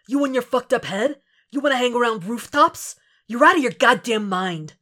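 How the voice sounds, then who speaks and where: A woman voicing a gruff, foul-mouthed male ex-Marine who is protective and angry, speaking in commanding, insistent bursts. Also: mid-range voice, moderate pace, natural voice. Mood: incredulous. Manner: cursing, commanding, rising insistence.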